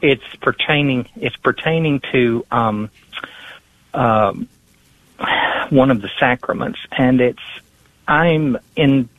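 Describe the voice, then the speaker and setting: A man calling in to a radio show, talking in a friendly, joking, slightly halting way. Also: mid-range voice, dry recording. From Tennessee, US. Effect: phone line. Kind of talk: call-in question. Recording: tinny phone line, dry.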